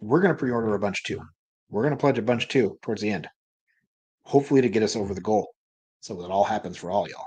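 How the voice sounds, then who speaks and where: Over a quiet background, a breathy voice moves at a very fast pace with long, frequent pauses and ordinary pitch variation. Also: man, fairly low pitch for a man. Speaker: movie reaction channel host. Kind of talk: live stream chat. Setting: live stream. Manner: energetic.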